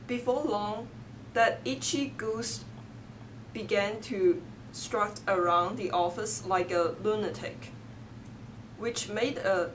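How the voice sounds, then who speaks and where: Slow, halting Hong Kong woman. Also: mid-range voice, slight background noise, rough recording. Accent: Hong Kong English. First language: Cantonese. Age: 20s. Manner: halting, frequent self-corrections and fillers. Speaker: interviewee reading a passage. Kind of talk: read-aloud passage, then casual interview.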